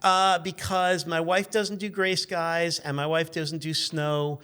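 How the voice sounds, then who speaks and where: A man in his fifties with a somewhat high voice talks as a relaxed interview guest. He tells personal anecdotes in a conversational way, slipping in dry, self-mocking jokes. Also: slow pace, clear, resonant tone. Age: 50s. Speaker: interview guest, car journalist. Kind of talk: casual anecdotal chat.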